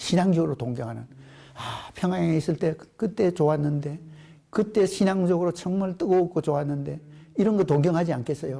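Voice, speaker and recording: A man talks at a fairly quick pace with a high pitch and a dark, mellow tone. His loudness swings widely. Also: ordinary pitch variation, quiet background. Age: 80s. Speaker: church elder. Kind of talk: oral history interview.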